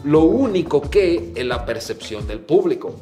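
Caribbean-born male podcast co-host, slightly high voice, animated slang-heavy storyteller, echoey room with faint music. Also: measured pace. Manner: animated, acts out his own shouts when telling stories, heavy slang. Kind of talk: casual chat, storytelling.

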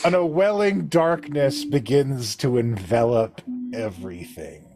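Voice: mid-range voice, a little slow, music in the background. A game master narrating a tabletop role-playing game among players.

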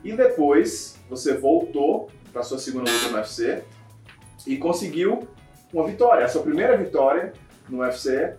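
A man's voice: fairly high pitch, lively intonation, moderate pace, a little mellow. Roomy, distant man interviewing. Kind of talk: casual interview. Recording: roomy, off-mic with music behind.

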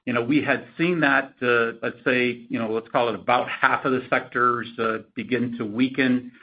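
A man speaking as a company executive answering analysts on an earnings call, in a halting, measured way. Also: medium pitch, fairly even intonation, gravelly, breathy edge. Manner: halting, hedged, measured delivery. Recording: muffled, lo-fi conference call audio.

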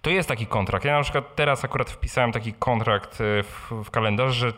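A man's voice: medium pitch, a little fast, fairly bright tone. A man hosting a live question-and-answer session, talking in a colloquial, direct and informal way. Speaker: host and blogger answering audience questions. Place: live meeting in front of an audience.

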